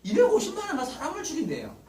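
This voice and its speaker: Male pastor, high lively delivery, preaching from a distance in an echoey sanctuary with faint hiss. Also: rapid-fire. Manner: animated preaching, acting out Bible figures' lines. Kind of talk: Sunday morning sermon. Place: church sanctuary. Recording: roomy church echo, mic at a distance, faint hiss.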